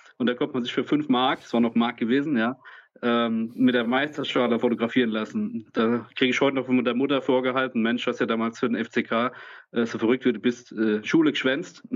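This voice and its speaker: Fairly quick and fairly even in intonation, a man speaks in a plain, everyday voice at a medium pitch. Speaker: supervisory board candidate, dental lab technician. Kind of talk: interview. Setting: video call.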